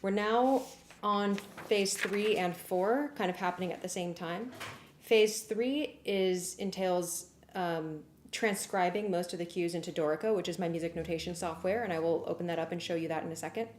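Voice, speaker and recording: A woman hosting a casual livestream, explaining work progress in an informal, halting way as she thinks aloud. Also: fairly low pitch. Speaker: livestream host and music arranger. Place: warm indoor room. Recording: roomy echo, clear background noise.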